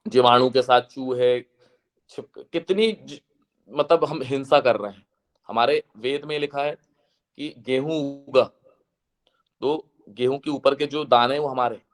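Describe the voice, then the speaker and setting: Earnest man lecturing with a slightly hoarse voice. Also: medium pitch. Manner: earnest, preaching, recites verses in a slow chant. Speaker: guest speaker. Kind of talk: devotional lecture to a seated audience.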